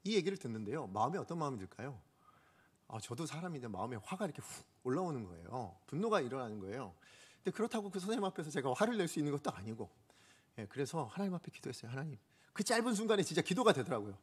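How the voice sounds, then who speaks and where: A man's voice: medium pitch, rapid-fire, slightly rough. A male pastor preaching a sermon, telling a story from his own ministry, asking the congregation questions and acting out what people said. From Korea. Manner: animated, asks the congregation questions; acts out quoted speech.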